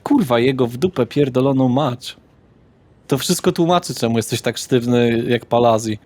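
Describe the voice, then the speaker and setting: A male game master speaks in informal in-character dialogue, with a mid-pitched voice. He is blunt and slangy, peppering his speech with swear words. The sound is dry and close. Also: moderate pace, darkish tone, no echo.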